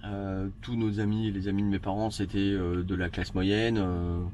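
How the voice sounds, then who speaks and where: Hesitant Frenchman in his fifties, low voice. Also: level tone, moderate pace, warm tone, slight background noise. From France, Paris western suburbs. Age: 50s. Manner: hesitant, reflective, searching for words. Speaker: interview guest, magazine editorial director. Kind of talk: casual personal interview.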